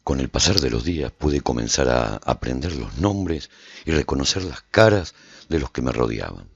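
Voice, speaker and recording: An actor playing a weary swordsman who narrates his post-apocalyptic adventure in a radio drama, husky and theatrical. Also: very deep voice, animated, moderate pace, no echo, highs cut off, full character voice. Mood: calm, reflective. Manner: intense, theatrical. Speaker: narrator and protagonist.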